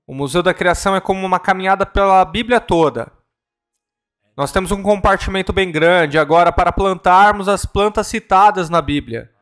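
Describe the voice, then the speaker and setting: A man interpreting a ministry talk at a church conference, earnest and measured, sometimes correcting himself mid-word. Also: high voice, a bit bright.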